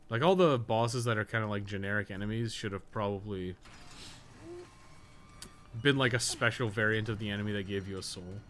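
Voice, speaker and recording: A man with a fairly low, fairly bright voice talks a little fast, rambling casually over a gaming livestream in slangy speech full of swearing. He's a livestreamer and podcast co-host, and there's noticeable background noise in the recording.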